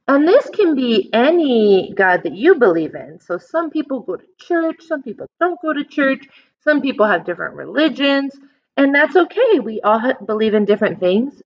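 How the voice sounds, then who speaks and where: A woman's voice: medium pitch, dull audio. An American woman, an elementary school teacher, reads a picture book aloud and explains it simply for young children, stressing key words.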